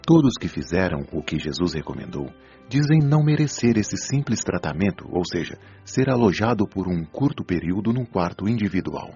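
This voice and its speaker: Man playing a deep-voiced, patient Brazilian spirit doctor. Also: very animated, breathy edge, heavily acted. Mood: solemn, teaching. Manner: didactic, measured, gently admonishing. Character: patient, wise male spirit doctor counselling souls. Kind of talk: Brazilian audio drama acting. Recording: dull lo-fi audio, music behind.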